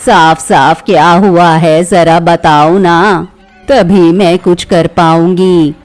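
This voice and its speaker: A woman's voice: lowish voice, steady tone, a little mellow, faint music behind. A woman voicing a stern old village sorceress in a storybook. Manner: slow, commanding, scolding.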